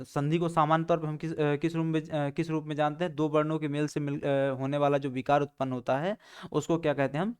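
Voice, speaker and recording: A man's voice: on the high side, clear, resonant tone. Rhetorical, question-heavy male teacher. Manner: keeps asking rhetorical questions and answering them himself; repeats key points, with many pauses and fillers. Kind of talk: exam-prep lecture.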